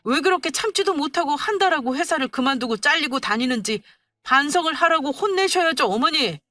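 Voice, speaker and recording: A woman's voice: a little high, expressive, normal speed, pushed and bright, no echo, clean studio sound. A woman voicing an overworked grown son confronting his mother, firm and exasperated, in a dramatized story reading.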